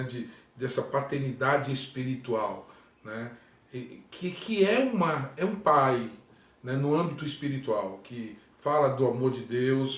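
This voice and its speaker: A Brazilian man, a pastor, talking casually on a livestream from home, with frequent tag questions and sudden jumps up in pitch for emphasis. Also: reverberant. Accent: Brazilian Portuguese. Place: room at home.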